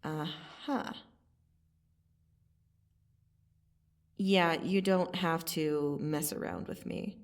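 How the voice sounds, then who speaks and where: Slow, creaky-voiced vampire assassin played by a woman. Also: low-pitched, steady tone, distant mic. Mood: teasing, matter-of-fact. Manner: slow, casual, sardonic delivery with long pauses. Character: cocky, teasing female vampire assassin, casually menacing. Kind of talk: ASMR roleplay monologue to the listener.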